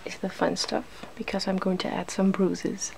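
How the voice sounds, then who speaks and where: A woman narrates an ASMR makeup demonstration in a hushed, breathy voice that slips into whispering. There is a creaky fry in her medium-pitched voice. Her manner is playful, and a faint noise sits behind her in the recording. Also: steady tone, moderate pace. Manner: playful, giggly. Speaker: ASMR video host.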